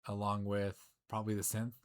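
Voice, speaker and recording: A man's voice: lowish voice, completely flat delivery. A man commentating a card game in casual chat, joking with his co-host. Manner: chatty, joking, quick back-and-forth.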